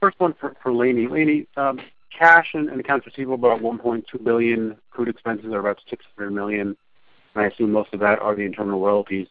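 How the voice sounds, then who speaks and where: A man's voice: medium pitch, flat delivery, fast, no room sound. A man working as a financial analyst, asking questions on an earnings call. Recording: tinny dry phone line.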